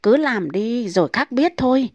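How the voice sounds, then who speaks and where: A woman's voice: on the high side, expressive, moderate pace, darkish tone, dry recording, highs cut off, pitched above the performer's own voice. A woman voicing an old retired thief who brushes off his son in a folksy, dismissive way.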